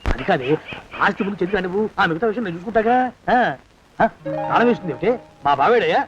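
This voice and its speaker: A man's voice: sits high, expressive, fast talker. An actor playing a scheming male relative who wheedles and plots to get hold of the property. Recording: lo-fi film audio over clear music.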